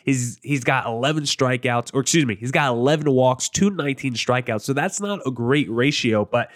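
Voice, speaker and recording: A young man with a stuffy, nasal voice from allergies, hosting a casual sports podcast, moving briskly from plugs to game stats. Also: mid-range voice, no echo, clean studio sound. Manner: brisk, self-promoting, stat-heavy. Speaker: podcast host.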